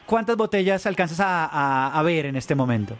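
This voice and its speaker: A man's voice: fairly high pitch, expressive, normal speed. A man with a Colombian accent hosting a podcast in casual interview chat. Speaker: podcast host.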